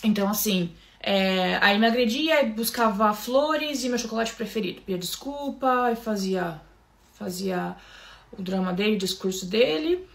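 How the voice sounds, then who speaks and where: A Brazilian woman with a Brazilian Portuguese accent recounts her own story to viewers in a gravelly, fry-edged voice at a middle pitch. Though soft and halting, often restarting, she is animated and keeps calling out to her listeners.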